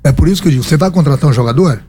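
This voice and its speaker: A man's voice: fairly high pitch, animated, rapid-fire, warm tone, husky. A Brazilian man, a football coach answering reporters at a press conference, emphatic and repeating his points with rhetorical questions. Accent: Brazilian Portuguese.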